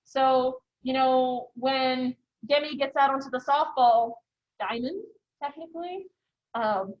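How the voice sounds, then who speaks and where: A high-pitched woman in her thirties teaching a college class in a loose, chatty way, filling her sentences with "you know" and "um". The recording sounds dull and lo-fi. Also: slow pace. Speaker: college instructor. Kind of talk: casual classroom lecture.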